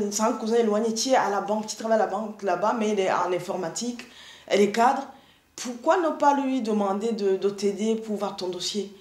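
A middle-aged woman from Rwanda gives her church testimony over a video call, earnest and halting, often restarting her sentences. Her voice sits at an ordinary pitch and rings in a noticeably echoey room. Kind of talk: spoken testimony. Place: indoor room, seated in armchair.

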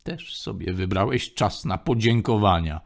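A cocky space general with a wry, breezy way of talking, as a man reads him. His voice is low and gravelly. It stays quick-witted in a spoken space story. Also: animated, exaggerated voice. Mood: urgent.

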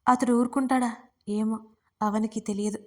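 A woman storyteller narrating a romance serial in a calm, steady audiobook reading. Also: fairly high pitch, normal speed.

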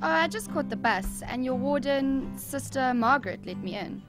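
Woman playing a hesitant, troubled young boy, high-pitched. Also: animated, normal speed, music in the background. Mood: polite, subdued. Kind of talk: audio drama acting.

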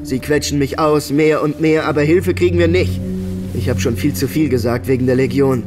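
A man's voice: fairly high pitch, normal speed, over music, natural voice. A man playing an angry, distrustful, troubled ex-soldier in a German audio drama. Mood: angry, defiant.

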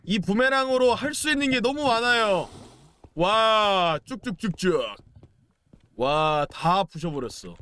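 A young man narrates his gameplay in a casual, joking way. His voice sits high and swoops up and down with lots of animation. He chants little words and shouts excitedly at what happens on screen. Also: measured pace, clean tone. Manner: playful, chatty, exclaims and chants while playing. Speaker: gaming YouTuber. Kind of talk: casual game commentary.

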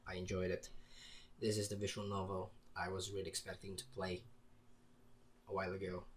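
A young man giving playful, theatrical and expressive let's play commentary on a visual novel. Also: deep voice, a little fast, slight background noise. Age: young adult. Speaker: gaming video host.

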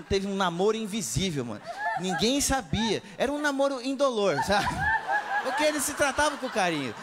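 A young man with a Brazilian accent improvising a comic story in slangy, colloquial talk. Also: sits high. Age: young adult. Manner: slangy, tagging sentences with checks. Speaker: stand-up comedy contestant. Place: TV studio stage with live audience. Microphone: handheld. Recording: noisy studio with audience.

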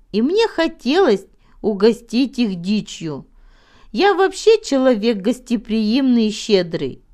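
A woman narrating a children's tale from a script, with expressive, deliberate phrasing and dramatic pauses. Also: mid-range voice. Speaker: storyteller.

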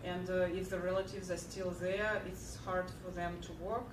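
A woman's voice: fairly low pitch, moderate pace. Woman, 30s, keynote lecturer; earnest, filler-heavy; distant, echoey hall, hum. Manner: earnest, many fillers and restarts, animated when telling a joke. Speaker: keynote speaker. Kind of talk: lecture answering audience questions. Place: large lecture hall, at a podium. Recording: echoey hall, heard from far off, clear background hum.

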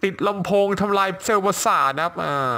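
A man hosting a drawing tutorial, talking while he draws, exclaiming in excitement and laughing often. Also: high-pitched, fast talker.

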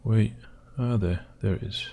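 A man with a croaky voice, talking slowly and hesitantly as he steps through video footage, pausing often with fillers. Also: fairly low pitch, warm tone. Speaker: video host analysing footage. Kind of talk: slow screen-recorded commentary.

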